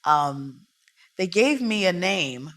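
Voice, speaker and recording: A woman's voice: on the low side, very animated, takes it slowly, fairly bright tone. A woman, a guest in a casual interview, telling stories emphatically and with animation. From United States.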